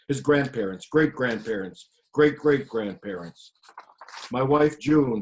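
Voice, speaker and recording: A man performing a one-man play as a grieving older farmer grandfather, telling stories in a quiet, subdued voice. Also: medium pitch, close to an everyday voice. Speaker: actor.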